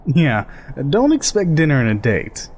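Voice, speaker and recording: A man's voice: fairly high pitch, huge pitch swings, a little slow, darkish tone, full character voice. A man playing a chatty, joking, easygoing male soldier in a fan dub of a game scene. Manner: chatty, joking, laughs easily. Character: easygoing, rambling older male soldier, goofy.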